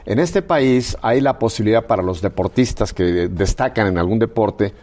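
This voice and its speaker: Catholic radio host, explanatory. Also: male voice, on the low side, lively intonation, normal speed, a little mellow. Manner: explanatory, guiding questions.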